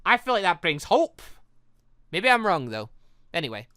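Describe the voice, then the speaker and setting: Let's play host, excitable and rambling, bright forceful tone, lively swings in pitch, close dry sound. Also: normal speed, no echo. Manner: excitable, rambling, stumbling commentary. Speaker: gaming video host. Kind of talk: let's play, reading visual novel aloud with commentary.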